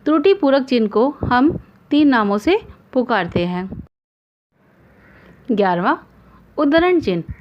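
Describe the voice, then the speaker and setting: A woman with a fairly high voice teaches a grammar lesson as host of her channel. She explains in a formal, measured way and works through examples step by step. The audio is slightly dull and lo-fi. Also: very animated, a little hiss or hum.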